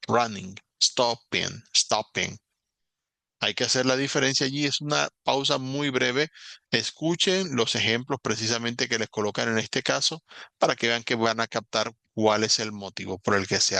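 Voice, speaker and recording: Gravelly man explaining a grammar lesson. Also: medium pitch, bright, forceful tone, no room sound. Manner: explains slowly, repeats examples, checks in with "¿ok?". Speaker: English teacher.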